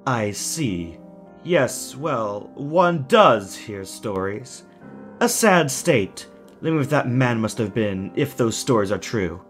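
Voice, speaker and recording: A man's voice: mid-range voice, lively intonation, takes it slowly, faint music behind. An actor playing a deranged, genteel villain in an audio drama, formal and mocking, savoring his words with menacing sweetness. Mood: silky menace.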